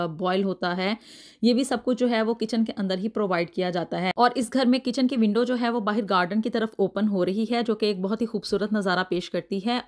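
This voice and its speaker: A woman narrating a house tour as a voice-over. She explains each room at length, pausing often on "uh" and restarting words. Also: medium pitch. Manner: explanatory, repeats herself, many hesitations. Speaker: vlogger giving a house tour.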